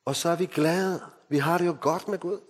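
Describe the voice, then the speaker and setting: A man from Denmark preaching a sermon, moving between emphatic lines and hushed, solemn ones. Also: fairly high pitch. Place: mission hall. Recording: hall reverb.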